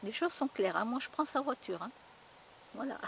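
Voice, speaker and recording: A woman's voice: fairly high pitch, expressive, normal speed, creaky, slight background noise. A woman vlogging in a casual, rambling chat, full of fillers and repeated words. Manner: chatty, rambling storytelling with many fillers and repeats.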